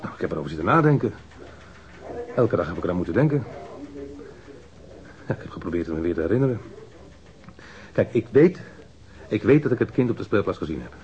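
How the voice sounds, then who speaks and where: An actor playing a defensive, rough-mouthed street robber under police questioning in a radio crime drama, slangy and halting. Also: male voice, low-pitched, big pitch swings, a little mellow. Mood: earnest, insistent. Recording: dull lo-fi radio drama recording.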